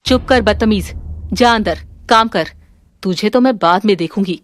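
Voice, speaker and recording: Woman voicing a cartoon mother-in-law, stern, lower than her daughters-in-law, commanding, dry sound. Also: normal speed, no echo, natural voice. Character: strict scolding mother-in-law.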